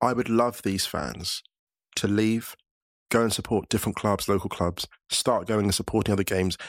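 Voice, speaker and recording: A man with a normal speaking voice and fairly low pitch talks at a moderate pace, his loudness very even and his intonation fairly even. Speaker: podcast host. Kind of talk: casual chat.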